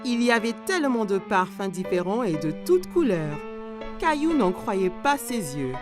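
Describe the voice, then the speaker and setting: A woman's voice: mid-range voice, very animated, normal speed. A woman reading scripted narration for a children's cartoon story. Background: background music.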